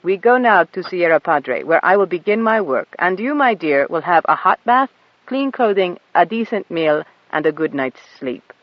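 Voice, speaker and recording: An audiobook narrator voicing an elderly white-haired man, measured, curious and fatherly. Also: medium pitch, very animated, dry recording, lo-fi sound, natural voice.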